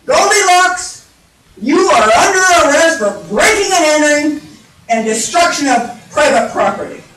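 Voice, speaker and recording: A woman voicing an angry papa bear in a children's story, shouting in outraged, growling bursts. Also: high voice, expressive, a little slow, very echoey, recorded from a distance, a little hiss or hum, pitched above the performer's own voice, low-quality recording. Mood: stern. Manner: roaring, growling, stretched-out shouts. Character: angry, booming papa bear, gruff household patriarch.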